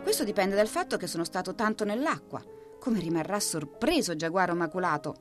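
An eager young hedgehog in a storybook, as a woman reader puts him on, chatty and quick to agree. The voice sits a bit higher than the reader's own and moves about a lot. Faint music plays behind. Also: expressive, close to an everyday voice.

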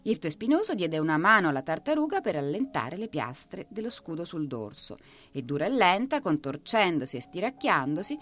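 A woman narrating a children's story aloud in an expressive, lilting way. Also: on the low side, brisk. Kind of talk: storybook reading.

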